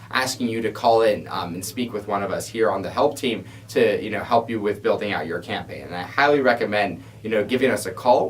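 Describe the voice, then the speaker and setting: A man with a fairly low voice, heard a little away from the microphone. He talks like a support specialist co-hosting a Q&A show, explaining step by step in informal, conversational language. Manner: explanatory, informal, frequent "you know". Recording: distant mic pickup.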